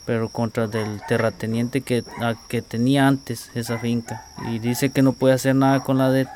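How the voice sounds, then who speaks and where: Community spokesman, flat and hesitant, outdoors with noise behind him. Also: mid-range voice. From Costa Rica. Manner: halting, repeats words while searching. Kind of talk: field interview answers. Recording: outdoor field recording with clear background noise.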